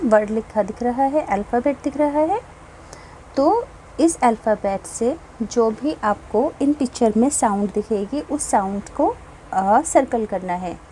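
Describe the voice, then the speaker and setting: Woman teacher, slow and patient, mellow voice, faint noise behind, explains each line of a children's textbook. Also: on the high side, poor audio. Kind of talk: explaining a class 1 English textbook.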